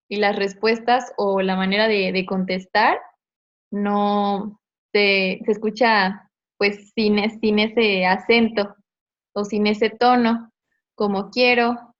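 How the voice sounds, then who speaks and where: A woman's voice: medium pitch, fairly even intonation, slow pace. Woman teacher, patient step-by-step explanation, dull lo-fi audio. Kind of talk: online class explanation.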